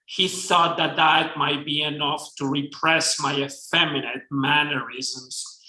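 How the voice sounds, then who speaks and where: A man's voice: fairly high pitch, bright, forceful tone, heavily acted. A man with a Mexican accent reading aloud as a flamboyant, unashamed gay Southern man, putting on a Southern accent. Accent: attempted Southern US. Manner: theatrical, campy read-aloud delivery. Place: bookstore event space. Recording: echoey room.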